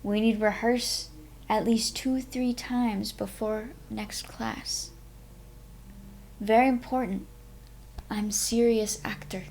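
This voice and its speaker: A woman voicing an eccentric, teasing grown man from an audiobook, self-important, speaking clipped broken English in halting, emphatic phrases. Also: fairly high pitch, steady tone, creaky, a little mellow, a little hiss or hum. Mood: earnest, self-important.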